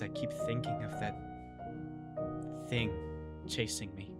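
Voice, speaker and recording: An actress playing a bewildered, exasperated kid, telling the story in dramatic first person in an audio drama. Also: female voice, rumbling low. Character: bewildered, exasperated young kid narrating an apocalypse ordeal.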